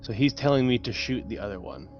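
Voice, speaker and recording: Male tabletop player, casual reactions, medium pitch, muffled lo-fi recording, faint music. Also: lively intonation, fast talker. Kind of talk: casual game table chat.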